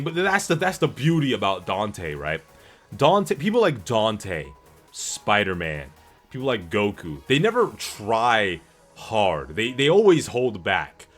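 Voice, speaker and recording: A man with a fairly low voice chats casually as a livestream host, with music playing behind him. He rambles in slangy, sweary language and leans hard on his points as he responds to viewers. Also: a bit bright. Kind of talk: casual gaming stream chat, reading and answering viewer comments. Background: background music.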